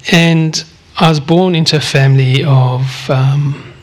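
A man in his fifties from South Africa, preaching a sermon and sharing a personal testimony in an earnest, vulnerable way with frequent pauses. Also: on the high side, steady tone. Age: 50s. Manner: earnest, vulnerable, often pausing.

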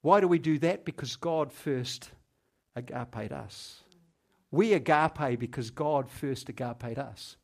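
Chatty New pastor preaching. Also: male voice, medium pitch, slow pace, vocal fry. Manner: chatty, teasing the congregation by name. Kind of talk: conversational sermon.

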